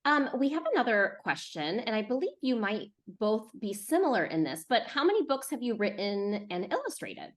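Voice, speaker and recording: A woman's voice: fairly high pitch, big pitch swings, moderate pace, hardly any pauses. Woman hosting an online Q&A. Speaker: host, book publisher's representative. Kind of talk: hosting a casual online author Q&A. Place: remote video call.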